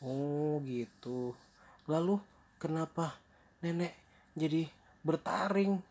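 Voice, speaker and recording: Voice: medium pitch, takes it slowly, a little mellow, pitched above the performer's own voice. A storyteller voicing a naive young girl in a red hood who asks innocent questions. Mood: curious.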